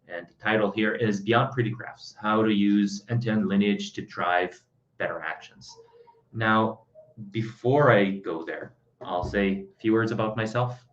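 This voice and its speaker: Low-voiced man with a cold, echoey. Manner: relaxed, self-deprecating, many "uh" fillers. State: has a cold. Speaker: product executive, conference speaker. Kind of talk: presenting a tech conference talk. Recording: echoey, dull lo-fi sound.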